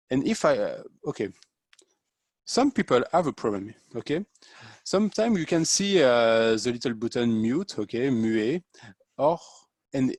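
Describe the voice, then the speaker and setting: A man's voice: medium pitch, darkish tone, dry recording, studio quality. Hesitant man. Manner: hesitant, many fillers and restarts, mixes French into English. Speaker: tutorial host. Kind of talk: casual screen-share tutorial. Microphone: video call.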